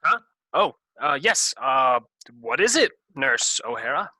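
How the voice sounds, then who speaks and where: A man's voice: mid-range voice, big pitch swings, measured pace, pushed and bright, dry recording, heavily acted, low-quality recording. A man playing a flustered, self-important doctor in a comedy sketch reading, grave and melodramatic. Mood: grave concern. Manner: hesitant stammer turning to bossy, melodramatic gravity. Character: flustered, self-important male doctor who operates on scripts.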